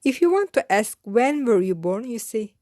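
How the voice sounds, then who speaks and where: A woman teaching a beginner lesson in a slow, scripted way, spelling out each phrase carefully and repeating it. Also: fairly high pitch, very animated, darkish tone, dry recording, clean studio sound. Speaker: language teacher.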